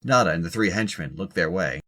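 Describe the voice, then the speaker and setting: A man's voice: sits low, expressive, brisk, pushed and bright. A man reading scripted narration for an audio drama as its narrator.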